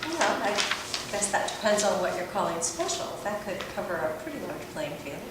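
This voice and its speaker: A woman's voice: medium pitch, sing-song, moderate pace, lightly acted. A woman playing a brash, sardonic adult-film producer and agent in a script read aloud, with a wry, teasing, theatrical manner. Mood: amused, needling. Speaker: actor at a table read. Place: echoey room at a table read. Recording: distant mic in echoey, noisy room.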